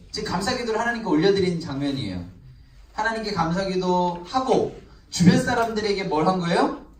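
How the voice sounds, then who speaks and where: Animated high-voiced pastor in an echoey room. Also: male voice. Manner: asks the class questions and answers them himself; acts out prayers in an emphatic voice. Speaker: pastor teaching a Bible class. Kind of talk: Bible study lecture. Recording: echoey room, mic at a distance.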